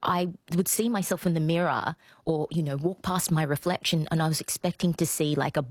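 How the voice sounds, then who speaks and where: A woman, a playwright and actor, talking in a radio interview in a soft, thoughtful way with frequent pauses and ums. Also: sits low, no room sound, studio quality. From Australia. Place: radio studio.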